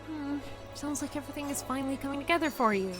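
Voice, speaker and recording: An actress playing an outgoing vlogger and doting, nagging friend, a young adult with an expressive, teasing manner in a naturalistic audio drama. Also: female voice, high voice, quick pace, music in the background, close to an everyday voice. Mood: warm, concerned.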